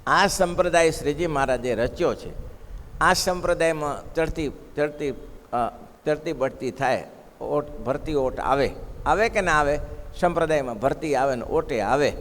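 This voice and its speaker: A man preaches a devotional sermon in a fairly high voice, hammering his points home with repeated phrases. He keeps turning to the audience with rhetorical questions. The sound rings with the long reverb of a large hall. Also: a little slow, fairly bright tone, a little hiss or hum. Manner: emphatic, repetitive preaching cadence. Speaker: preacher giving scripture discourse.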